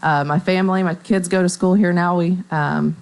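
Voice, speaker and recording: Low-voiced woman guest on local radio. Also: fairly even intonation, vocal fry. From Middle Tennessee. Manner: measured, upbeat, with fillers. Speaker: bank marketing staff, guest. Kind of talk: radio interview.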